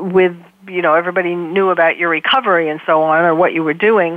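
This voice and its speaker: A woman with an unremarkable speaking voice and a fairly low pitch talks at a fairly quick pace with fairly even intonation. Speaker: psychiatrist radio host. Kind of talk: radio interview.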